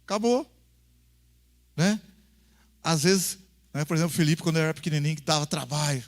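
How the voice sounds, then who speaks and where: A man's voice: on the high side, brisk. A man with a Brazilian accent preaching a folksy, conversational sermon, calling the congregation brother and acting out family scenes. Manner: folksy, acts out family dialogues. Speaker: pastor.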